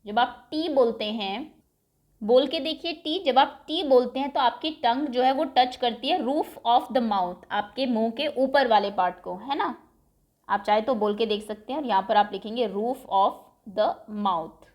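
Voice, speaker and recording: A woman teacher with a higher, slightly mellow voice takes young pupils through an English lesson, reading English lines slowly, then patiently explaining them in Hindi and repeating words aloud.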